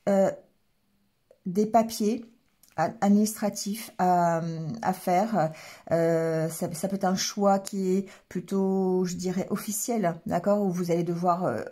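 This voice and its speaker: Hoarse woman giving a hesitant tarot reading. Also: mid-range voice, warm tone. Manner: hesitant, many fillers and restarts, checks in with "d'accord?"; clears throat often. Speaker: tarot card reader. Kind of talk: casual tarot reading addressed to viewers.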